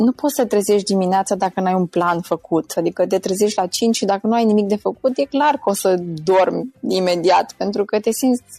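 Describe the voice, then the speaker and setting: A woman at a medium pitch with ordinary pitch variation and a very fast pace, in a dry, close sound with no echo and music in the background. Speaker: vegan chef and food blogger. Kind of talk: casual interview.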